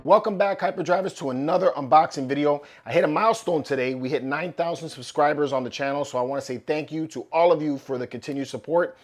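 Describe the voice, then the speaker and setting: A man hosting a collectibles channel, chatting casually through an unboxing while his voice is going hoarse. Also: on the high side, quick pace, few pauses, faint music behind. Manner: upbeat, loose and chatty with fillers. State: losing his voice, slightly hoarse.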